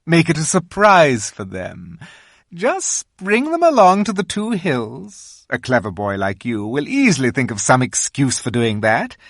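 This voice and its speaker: Picture a scheming witch queen from a storybook, as a reader puts her on, pitched well above the reader's own voice and pushing loud. She coaxes sweetly, then commands, slow and deliberate over a very dry, close sound. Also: wildly swooping pitch, dry recording, full character voice. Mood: coaxing. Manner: coaxing, commanding. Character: imperious cunning female queen, a wicked witch. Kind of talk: audiobook reading.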